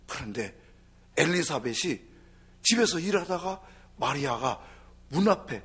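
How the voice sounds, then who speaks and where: A male pastor delivers a sermon in a gravelly, somewhat husky voice that sits a little above the usual male pitch. He preaches with animation, then drops into soft, breathy half-whispers to press a point home.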